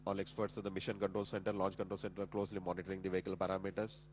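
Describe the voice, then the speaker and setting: A man with an Indian accent giving measured, formal live technical commentary as a broadcast commentator. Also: deep voice, level tone. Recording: humming background noise.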